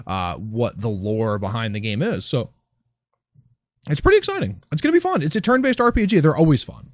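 A man's voice: medium pitch, sing-song, a little fast, dry recording. A man co-hosting a casual gaming chat, rambling and grumbling with plenty of swearing. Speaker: podcast co-host.

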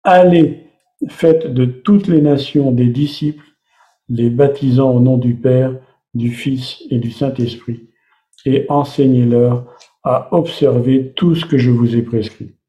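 A man's voice: medium pitch, steady tone, measured pace, dark tone. A man preaching a sermon, explaining and reading Bible passages aloud to the congregation. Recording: echoey room, slightly dull sound.

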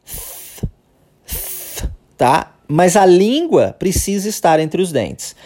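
A Brazilian man hosting an English-lesson podcast, explaining step by step, often checking in with "tá?" and slowly demonstrating sounds. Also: sits high, sing-song, mellow. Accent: Brazilian Portuguese. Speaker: English teacher, podcast host.

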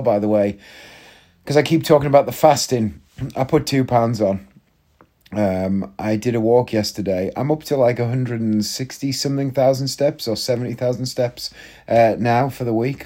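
A man's voice: medium pitch, moderate pace, mellow. A man hosting a podcast, talking in a chatty, blunt and jokey way, often rambling with restarts. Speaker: podcast host. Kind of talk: casual chat monologue.

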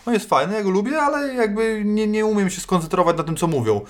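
A man's voice: sits high, lively intonation, fast. A man co-hosting a casual talk show, often hesitating and restarting his sentences. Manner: hesitant, many restarts and fillers. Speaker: podcast host. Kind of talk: casual chat.

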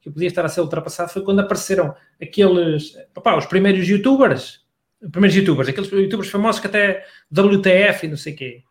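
A man's voice: high voice, fast. A middle-aged man with a European Portuguese accent, chatting casually in laid-back slangy talk. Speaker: comedian and radio host, guest. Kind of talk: casual podcast chat.

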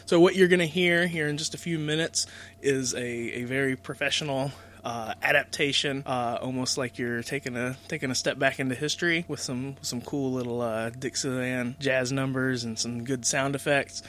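A male podcast co-host chats through an introduction in a casual way. His pitch is middling, and there is slight noise and hum behind him. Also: fairly even intonation, normal speed, fairly bright tone.

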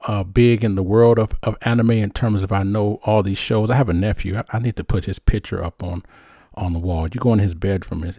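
A man's voice: lowish voice, a little mellow, no echo, studio quality. A man hosting a show, reading viewer questions and chatting in an upbeat, casual way with frequent restarts. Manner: upbeat, many restarts and fillers. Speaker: host.

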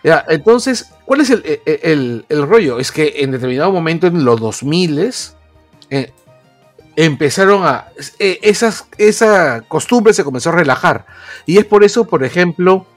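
A man's voice: fairly high pitch, lively intonation, normal speed, soft background music. A man, a podcast co-host explaining at length in casual chat with lots of fillers. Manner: rambling, explanatory, many fillers.

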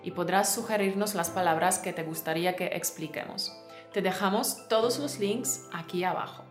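A woman co-hosting a scripted language lesson, speaking in a clear, careful teacherly way. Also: on the low side, moderate pace. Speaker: Spanish teacher, co-host. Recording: roomy sound with faint music.

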